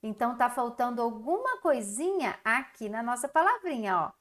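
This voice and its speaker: A Brazilian primary school teacher with a fairly high, fairly bright voice teaches young children in a recorded class at normal speed. Her Brazilian Portuguese accent colors her sing-song, encouraging delivery as she stretches out syllables.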